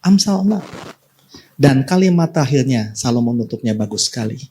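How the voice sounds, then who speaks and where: A man's voice: medium pitch, animated, fairly quick, mellow, a little hiss or hum. A male pastor preaching a sermon in a church, in a casual, slangy way, often speaking straight to the congregation. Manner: casual and slangy, repeatedly addressing the congregation directly.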